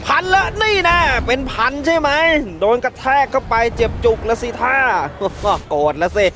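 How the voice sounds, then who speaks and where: A man giving excitable, laughter-filled commentary while playing a mobile game, taunting his opponents as he goes. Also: very high-pitched, normal speed, slight background noise. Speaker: gaming channel host.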